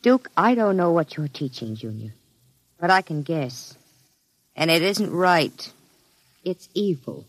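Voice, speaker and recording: A woman's voice: fairly low pitch, big pitch swings, takes it slowly, pauses often, rough recording. An actress playing a frightened young woman, a gangster's former girlfriend, who speaks tensely and fearfully in a vintage radio drama. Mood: pleading. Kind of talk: 1940s radio acting.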